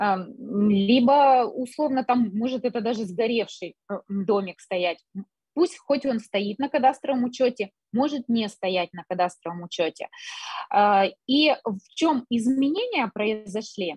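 A woman speaks at a very slow pace with lively intonation and a fairly high pitch. The sound is dry with no echo, over a quiet background. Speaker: bank mortgage department head. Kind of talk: professional masterclass presentation. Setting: online live stream. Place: office. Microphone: webcam.

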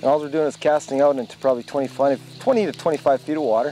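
In a dry sound with no echo and faint music in the background, a man speaks with fairly even intonation. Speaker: fly fishing instructor. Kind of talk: tutorial commentary while fishing. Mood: relaxed, pleased. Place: boat.

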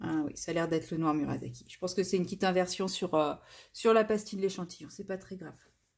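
The speech comes very fast with vocal fry, fairly even intonation and big swings in loudness. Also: woman. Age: 40s. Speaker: vlogger and crafter; vlogger. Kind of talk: casual vlog monologue. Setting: at home. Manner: hesitant, many fillers. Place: home room.

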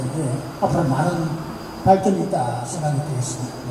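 Noticeable background noise and audible room echo surround the speaker. He is a man with ordinary pitch variation. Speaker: arts troupe leader on a national tour. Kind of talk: casual interview and feedback. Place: studio.

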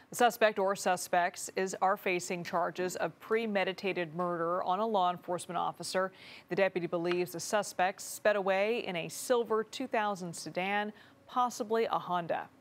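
A woman speaks at a medium pitch and a moderate pace with fairly even intonation, on a very clean recording with a silent background. Hers is an ordinary speaking voice. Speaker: news anchor. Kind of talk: television news reading. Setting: TV studio. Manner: crisp, polished anchor delivery.

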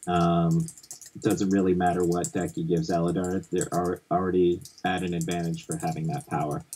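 A soft-spoken man at a moderate pace. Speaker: co-commentator. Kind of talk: live commentary. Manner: quiet.

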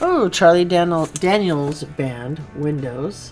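A woman's very deep, low voice with clear music in the background. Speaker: collector vlogger. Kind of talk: casual vlog chat. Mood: cheerful, excited. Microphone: webcam.

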